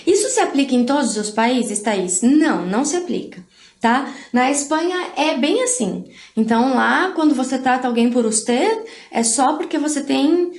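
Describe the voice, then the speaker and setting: A woman's voice: high-pitched, lively intonation, normal speed. A Brazilian woman teaching a recorded video lesson, explaining patiently and having learners repeat words after her. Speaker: Spanish teacher. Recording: roomy echo.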